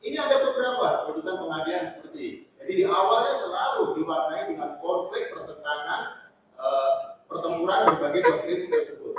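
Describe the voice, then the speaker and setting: A man giving a formal, measured answer as a doctoral candidate at his defense, pausing often with fillers. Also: high-pitched, expressive. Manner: measured, hesitant with frequent "eh" fillers. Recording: distant, roomy, muffled with faint noise.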